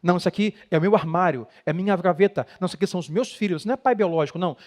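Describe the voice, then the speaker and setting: High-voiced Brazilian pastor preaching. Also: male voice, racing, a little mellow. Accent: Brazilian Portuguese. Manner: emphatic preaching, acts out quoted spouses. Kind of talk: sermon talk on marriage.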